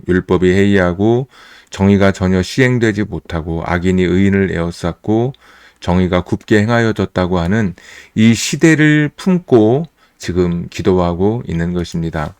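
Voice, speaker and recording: Low, smooth-voiced pastor teaching scripture. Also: male voice, no echo, studio quality. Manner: explains word meanings slowly with pauses. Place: church.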